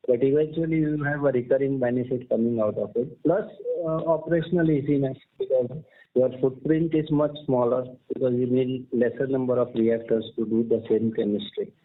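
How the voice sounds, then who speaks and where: Indian executive on a muffled call line. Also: male voice, mid-range voice. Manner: explanatory, uses tags like "right?" and "so to say". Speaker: company executive answering investor questions. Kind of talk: earnings call question and answer. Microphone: conference call line. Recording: muffled narrow-band conference phone line.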